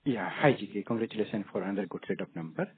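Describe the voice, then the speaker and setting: A man's voice: fairly low pitch, lively intonation, very fast, husky. An Indian man, an analyst, asking questions in a conversational way on an earnings call. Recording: narrow radio-like phone line.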